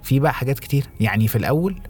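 A young Egyptian man co-hosting a podcast, talking reflectively with halting restarts and English phrases mixed in. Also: medium pitch, expressive, faint music behind. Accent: Egyptian Arabic. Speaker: podcast co-host. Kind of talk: casual podcast conversation.

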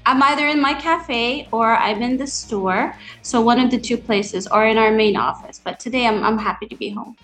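A woman, a cafe owner, talks from home as a podcast guest, telling her story in a chatty, animated way. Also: on the high side, normal speed, hardly any pauses, soft background music, low-quality recording. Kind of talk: conversational interview.

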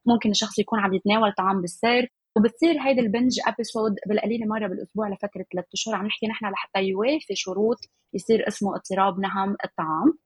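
A woman's voice: medium pitch, very fast, slightly rough, dry recording. A woman with a Levantine Arabic accent explaining things conversationally as an expert guest, mixing English words into her Arabic. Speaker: guest nutritionist specializing in eating disorders.

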